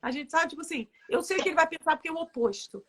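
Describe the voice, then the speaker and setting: Bright high-voiced chatty woman. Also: racing. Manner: lively storyteller, laughs often. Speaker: therapist guest. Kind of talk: casual interview chat. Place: live online interview.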